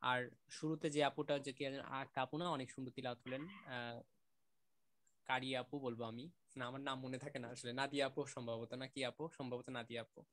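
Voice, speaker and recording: A man teaching an online class, gently praising students and repeating sounds to demonstrate them. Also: medium pitch, level tone, fast talker.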